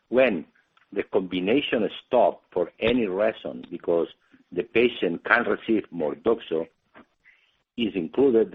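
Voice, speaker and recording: A low, husky male executive with non-native English answers questions on a conference call. He explains point by point in loosely built phrases, heard through a narrow telephone line. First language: not English. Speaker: company executive answering analysts. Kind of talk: spontaneous business Q&A on a conference call. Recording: muffled narrowband phone line.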